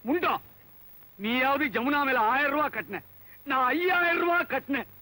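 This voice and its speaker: A man's voice: very high voice, normal speed, sharp tone, no room sound, rough recording. An actor playing a blustering male office general manager who scolds and mocks his staff, in a 1980s Tamil film comedy. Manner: scolding, bossy, sarcastic.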